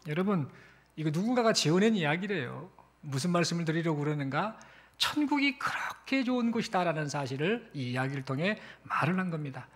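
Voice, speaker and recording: Lively high-voiced male pastor preaching. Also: a little fast. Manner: storytelling with rhetorical questions. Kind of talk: sermon. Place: church sanctuary.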